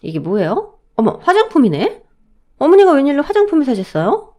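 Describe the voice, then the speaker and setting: A woman voicing an arrogant elder sister-in-law who talks down with sharp, condescending retorts. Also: fairly low pitch, very animated, measured pace, breathy edge, exaggerated voice. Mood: pleased.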